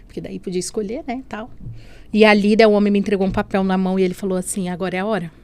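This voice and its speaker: A woman from Brazil shares her faith testimony on a podcast in an earnest, heartfelt conversational voice. She keeps checking in with her listener with little "né?" tags. Her pitch sits in the middle range for a woman. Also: steady tone, racing, a little mellow. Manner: earnest, often adds "né?" and "assim". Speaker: guest telling her testimony. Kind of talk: emotional personal testimony in a podcast interview.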